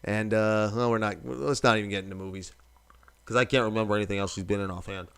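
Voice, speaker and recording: A man's voice: fairly low pitch, steady tone, fast talker, fairly bright tone, clean tone, dry recording. A man in his thirties from New England, hosting a live stream in casual, rambling chat, swearing now and then and reading viewer comments aloud.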